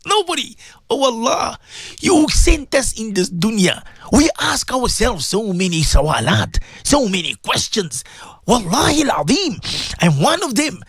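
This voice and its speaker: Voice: high voice, creaky, fairly bright tone, slightly rough, no echo, clean studio sound. A person leading an impassioned live Muslim supplication, pleading tearfully with God in repeated, emotional invocations. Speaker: Muslim prayer leader giving a supplication. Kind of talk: impassioned live broadcast prayer.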